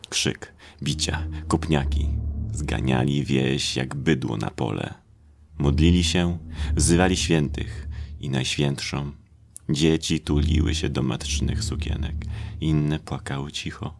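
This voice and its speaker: A man narrating a horror audio drama in a brooding way, in short, pause-laden phrases. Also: extremely low pitch, creaky, a little hiss or hum. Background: atmospheric sound effects.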